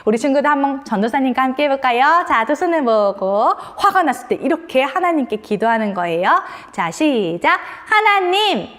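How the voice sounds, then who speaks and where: A woman, a children's minister, giving a children's sermon in an animated, sing-song way and asking the children questions. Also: high-pitched.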